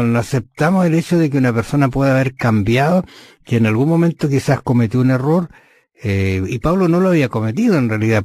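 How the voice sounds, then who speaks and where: A man's voice: medium pitch, a little mellow, no room sound. A man co-hosting a conversational Bible lesson, thinking aloud with frequent hesitations. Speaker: Bible study co-host.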